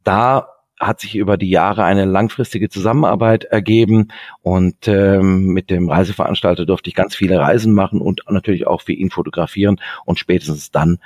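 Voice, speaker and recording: A man's voice: deep voice, a little mellow, breathy edge, no echo, clean studio sound. A man born in Sicily, a travel photographer, chatting through anecdotes in an interview with many fillers. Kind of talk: relaxed interview storytelling.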